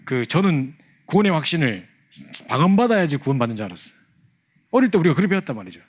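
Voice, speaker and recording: A man's voice: a little high, sing-song, fast, breathy edge. A man telling a humorous testimony to a church class, acting out his younger self. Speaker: church youth leader teaching a training class.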